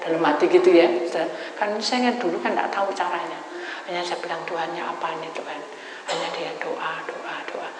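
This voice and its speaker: A woman pastor preaching a testimony sermon. She tells her story to the congregation and swings from loud to hushed. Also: fairly low pitch, steady tone, brisk. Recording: echoey hall with background noise.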